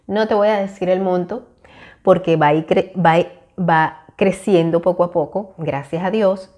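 Earnest woman, warm mellow voice. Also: fairly low pitch, unhurried, highs cut off. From Venezuela. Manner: earnest, encouraging, hesitant fillers. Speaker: YouTuber. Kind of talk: casual talk to camera. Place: small room indoors. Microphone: lapel mic.

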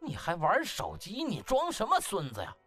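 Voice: mid-range voice, wildly swooping pitch, normal speed, fairly bright tone, faint music behind, voice pushed up. A narrator voicing an indignant, sarcastic young male underling in a scornful, slangy audiobook rant. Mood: scornful outrage.

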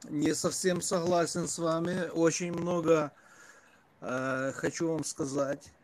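A man's voice: fairly high pitch, steady tone, takes it slowly, slight background noise. A man from Ukraine calling into a live stream over an internet call, hesitant and repeating himself. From Lviv, Ukraine. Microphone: internet video call.

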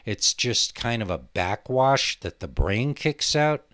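A man hosting a podcast in a rambling, halting, musing solo monologue. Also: medium pitch, big pitch swings, fairly bright tone, no room sound, clean studio sound. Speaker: podcast host.

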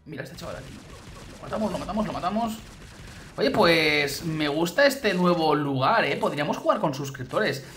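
A man from Spain with a Spain Spanish accent, giving excited reaction commentary on a game update and calling out to his viewers. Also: on the high side, moderate pace, slight background noise. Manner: excitable, exclamatory, keeps addressing viewers as guys. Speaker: gaming YouTuber.

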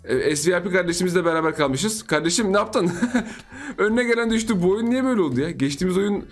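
A young man giving excitable, teasing gameplay commentary as a gaming YouTuber, laughing often. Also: sits high, fast talker, faint music behind.

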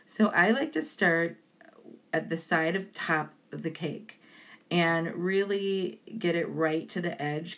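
A woman giving an informal step-by-step tutorial voice-over in a chatty way, encouraging to beginners. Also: deep voice. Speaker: baking tutorial host.

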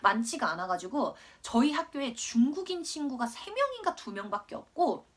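A woman's voice: high-pitched, big pitch swings, moderate pace. A woman in her twenties who grew up in Australia, telling a rambling, self-mocking story while teaching English. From Korea, raised in Australia. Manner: chatty, rambling, laughs at herself. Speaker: English tutor. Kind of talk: casual storytelling in a lesson video.

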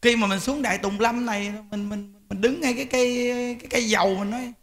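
A man's voice: extremely high pitch, steady tone, quick pace, fairly bright tone. A man, a Buddhist monk, giving an informal, emphatic dharma talk to lay followers. He repeats words and often speaks to his listeners directly.

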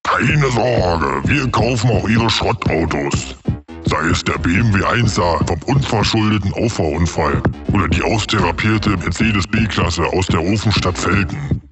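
A man's voice: low-pitched, lively intonation, a little slow. A man reading parody adverts and announcements as a scripted announcer. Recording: voice over clear background music.

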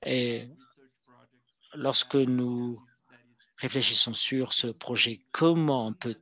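A male interpreter renders a formal presentation live. His voice sits at a middling pitch. He speaks slowly and haltingly, delivering the speech phrase by phrase. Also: steady tone, sharp tone. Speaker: simultaneous interpreter.

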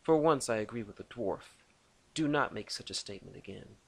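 Brief: a man playing an icy female elf sniper, clipped and formal, gravelly edge. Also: fairly low pitch, expressive, brisk, full character voice. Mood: cold.

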